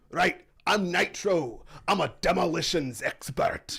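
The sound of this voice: Putting on a character voice, a man speaks raspy and high-pitched at a fairly slow pace.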